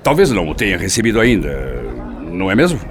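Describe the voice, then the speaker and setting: An actor playing a scheming middle-aged Brazilian father who feigns tender concern, smooth-talking and solemn in radio soap opera style. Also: deep voice, very animated, fast, a crowd in the background. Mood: reassuring. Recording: noisy, hissy radio drama recording.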